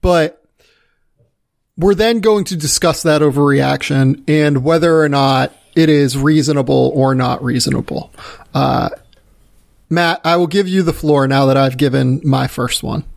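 Male podcast host, fairly high voice with heavy fry, talking sports casually. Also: measured pace.

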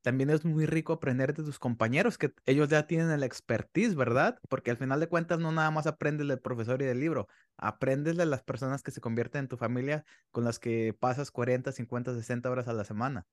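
A man's voice: mid-range voice, fairly quick, dry recording, studio quality. A man hosting an interview podcast, chatting informally and casually with his guest.

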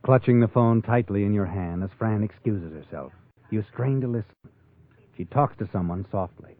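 A man's voice: on the low side, moderate pace, natural voice. An actor playing a sly, ominous male narrator who taunts a guilty man in a 1940s radio drama. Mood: insinuating. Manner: insinuating, taunting tag questions. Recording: tinny vintage radio broadcast. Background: dramatic music.

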